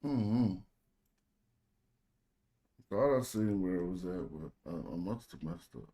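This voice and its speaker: A man's voice: sits low, expressive, takes it slowly, mellow. American man teaching casually, African American Vernacular English. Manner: informal, loose phrasing with slang. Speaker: host and language teacher. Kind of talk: casual teaching chat in an online group call.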